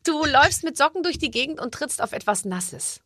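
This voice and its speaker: Female host, slight Swabian accent, somewhat high voice, playful and teasing, dry close recording. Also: sing-song, brisk, a bit bright, no echo. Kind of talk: game show hosting and casual chat.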